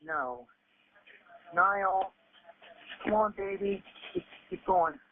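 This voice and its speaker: A man's voice: high voice, animated, extremely slow, slight background noise. A distressed, panicked man making an urgent emergency call over a tinny phone line. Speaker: emergency caller.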